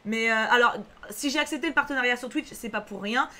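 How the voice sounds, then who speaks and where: A woman's voice: a little high, quick pace, bright, forceful tone. A woman streaming live, chatting casually with viewers, reassuring and repeating herself with lots of fillers. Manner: chatty, reads chat aloud, frequent fillers.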